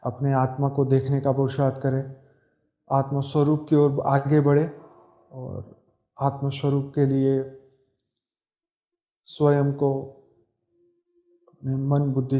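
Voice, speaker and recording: A man speaking as a meditation guide, calm and soothing, giving slow, repetitive instructions with long pauses in Hindi. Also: medium pitch. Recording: roomy echo with background music. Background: meditation music.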